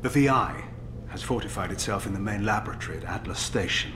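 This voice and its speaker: An actor as grave, low-voiced scientist. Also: male voice, background noise, lightly acted. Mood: urgent, defensive. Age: middle-aged. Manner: formal, measured, articulate. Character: grave middle-aged male chief scientist, guilty but defensive. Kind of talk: scripted video game dialogue.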